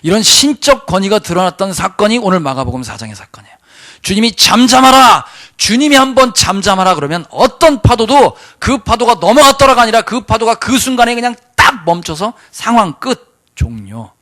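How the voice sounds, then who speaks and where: A man preaching in a church sanctuary, his voice sitting a little high. He keeps the sermon animated, throwing rhetorical questions at the congregation. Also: brisk. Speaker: pastor.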